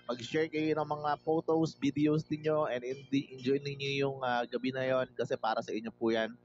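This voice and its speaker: Filipino man, livestream host, reads out chat names, easy laughs, mid-pitched, dull lo-fi sound, faint music behind. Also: steady tone, normal speed, darkish tone. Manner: greets viewers by name, reads comments aloud, laughs often; mixes Tagalog and English freely.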